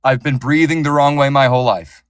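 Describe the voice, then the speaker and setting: A man's voice: medium pitch, fairly even intonation, brisk. A man who narrates audiobooks, talking passionately and with strong opinions in a casual interview, often restarting his sentences.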